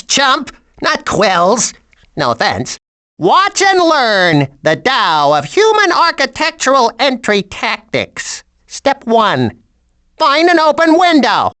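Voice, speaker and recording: A brash hustler bird from a video game. The voice is bright and piercing, leaping around in pitch. It wisecracks with bossy sarcasm. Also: female voice, full character voice. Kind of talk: video game character voice acting.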